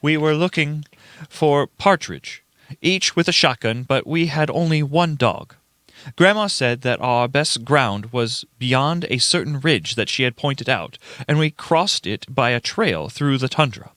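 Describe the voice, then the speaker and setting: Man acting an earnest, unnerved young witness, animated voice. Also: medium pitch, unhurried, no echo, studio quality. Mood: grave, measured. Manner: formal old-fashioned storytelling, stumbling over words. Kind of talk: dramatic radio play reading.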